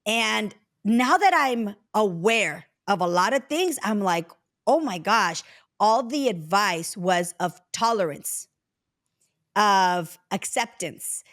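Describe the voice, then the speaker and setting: A woman in her forties from Mexico, hosting a casual interview chat and telling stories in a reflective, drawn-out way. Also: mid-range voice, expressive, a bit bright. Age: 40s. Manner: reflective, storytelling, drawn-out phrasing with fillers. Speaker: podcast host.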